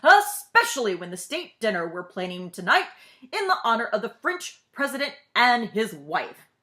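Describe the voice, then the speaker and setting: A woman's voice: fairly high pitch, big pitch swings, pushed and bright. Woman putting on a furious, bellowing storybook President. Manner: indignant, roaring, drawn-out emphatic words. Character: furious, bellowing male President outraged by a cockroach. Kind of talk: children's storybook read-aloud.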